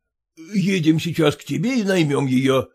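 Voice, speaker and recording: A man voicing a stern, bossy older man who lectures and scolds his son-in-law in a slow, drawn-out way. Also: a little high, animated, a little mellow, breathy edge. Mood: lecturing.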